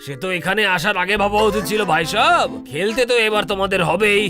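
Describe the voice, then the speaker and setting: A man's voice: high-pitched, brisk, over music, close to an everyday voice. A man voicing a bossy, mocking, menacing game-show master in a dubbed cartoon, with a pompous announcer-like delivery. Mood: taunting.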